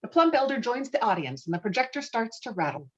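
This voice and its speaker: A woman's voice: a little high, very animated, quick pace, breathy edge. Woman narrating, slightly muffled sound. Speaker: stage-direction narrator. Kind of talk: scripted narration at a table read.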